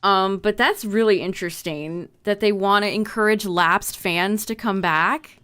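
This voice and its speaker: A woman's voice: mid-range voice, a little slow, a bit bright, clear, resonant tone, faint music behind. A young woman streamer who is losing her voice, chatting casually with her viewers and reading notes aloud with asides. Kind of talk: casual livestream chat to viewers.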